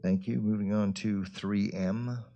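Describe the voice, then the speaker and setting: A man's voice: on the low side, fairly even intonation, measured pace, mellow, highs cut off. A man serving as mayor, running a meeting with short procedural prompts.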